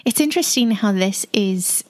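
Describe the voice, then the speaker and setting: A woman's voice: medium pitch, expressive, normal speed, a little mellow, no echo. Reflective woman discussing scripture, dry close sound. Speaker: Bible study podcast co-host.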